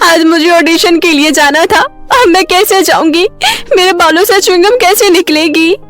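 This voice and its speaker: A woman's voice: extremely high pitch, normal speed, fairly bright tone, pitched above the performer's own voice. A woman voicing a meek, weeping young orphan girl in a storybook tale, with a plaintive, pleading manner. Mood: tearful, distressed.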